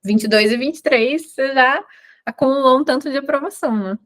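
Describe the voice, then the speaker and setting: A woman's voice: high-pitched, fairly quick. A woman hosting a casual interview, enthusiastic and exclamatory in her reactions. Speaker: interview host.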